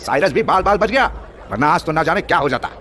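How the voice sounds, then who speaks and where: A self-righteous village man, scolds and accuses in a harsh, fairly high voice. His delivery swings widely, in audio drama style, with a noisy crowd around him. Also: expressive, fast, sharp tone. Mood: earnest, insistent. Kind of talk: Hindi horror audio drama acting. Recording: noisy crowd and street ambience behind.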